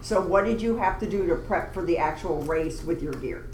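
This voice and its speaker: A woman hosting a team meeting, interviewing a colleague in an upbeat, animated way. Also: on the low side, moderate pace. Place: office meeting room. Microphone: far room camera. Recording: distant, echoey room, faint hiss.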